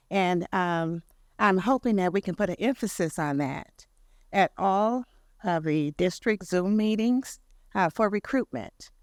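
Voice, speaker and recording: A woman makes an earnest public comment, her voice a little low in pitch. She pauses often as she lists her requests. The recording is close and dry. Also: no room sound. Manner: earnest, halting, listing requests. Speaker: community member giving public comment. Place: city press briefing room.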